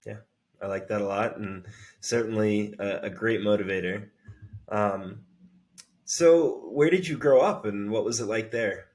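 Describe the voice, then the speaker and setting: A man hosting a podcast, reading a scripted intro and asking questions in a measured, courteous way. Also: lowish voice, a little mellow. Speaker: podcast host.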